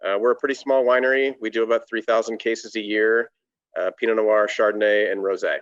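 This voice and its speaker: A man on a video call webinar panel, describing his small winery team in a relaxed way with fillers. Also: on the low side, a little fast. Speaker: panelist, winery sales director. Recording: dull lo-fi audio.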